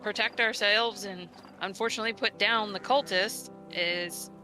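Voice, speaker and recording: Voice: mid-range voice, fairly even intonation, moderate pace, music in the background. A player in a tabletop game in casual chat, blunt and self-deprecating.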